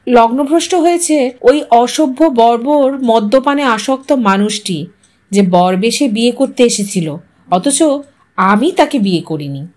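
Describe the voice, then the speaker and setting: A woman's voice: a little high, expressive, a little slow, darkish tone. A woman storyteller voicing a defiant, principled young bride in an audio story, speaking in firm declarations.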